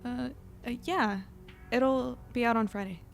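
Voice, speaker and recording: A woman's voice: fairly high pitch, unhurried, gravelly, faint music behind. A woman playing an earnest, anxious female reporter in an audio drama, conversational, tentative and a little self-deprecating. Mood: uneasy. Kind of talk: naturalistic audio drama acting and narration.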